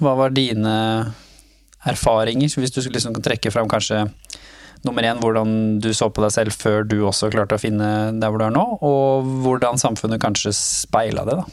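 A man's voice: mid-range voice, no room sound, studio quality. A man hosting a podcast, asking long, hesitant, rambling questions. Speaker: host.

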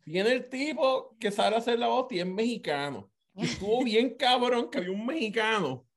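A man's voice: very high voice, moderate pace. A man telling a story in casual, profane chat and acting out other people's lines. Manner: animated and profane, acts out voices.

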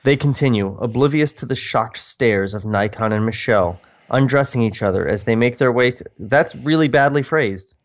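A man's voice: mid-range voice, moderate pace, few pauses. A man reading stage directions from his own old script, dropping in mocking, casual asides. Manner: mocking, self-deprecating asides, swearing. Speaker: host reading his old screenplay aloud.

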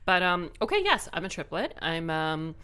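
Woman in her 20s from the middle east, bubbly and chatty, lowish voice. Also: big pitch swings, normal speed, pushed and bright, clear, resonant tone. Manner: bubbly, laughs often, many ums. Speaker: podcast guest. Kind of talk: casual interview chat.

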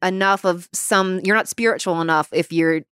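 A woman hosts a casual podcast interview and talks reflectively in a chatty way, laughing often. Her voice sits on the low side and sounds smooth. The recording is close and dry. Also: moderate pace, a bit bright, no echo. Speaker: podcast host.

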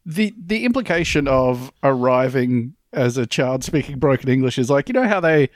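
A man's voice: medium pitch, expressive, moderate pace, no room sound. A man co-hosting a comedy podcast, joking dryly and trailing off as he talks. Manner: dry, joking, trails off into mumbles. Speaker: podcast co-host. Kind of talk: casual comedic chat.

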